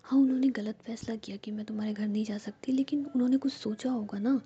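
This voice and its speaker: Woman whispering a pleading young woman, breathy and soft, mellow tone, muffled lo-fi sound. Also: fairly high pitch, steady tone, fast talker. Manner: pleading, apologetic.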